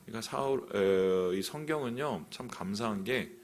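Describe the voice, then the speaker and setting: A male pastor preaching an early morning sermon, asking the congregation questions and voicing inner thoughts, sometimes dropping very soft. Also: on the low side, animated, moderate pace. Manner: preaching with rhetorical questions and voiced inner monologue.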